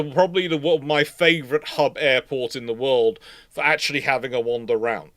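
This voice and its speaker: A man's voice: medium pitch, a bit bright, no room sound. Man, casual live-stream host, rambling and tangent-prone, dry close recording. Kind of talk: casual chat answering viewers' questions.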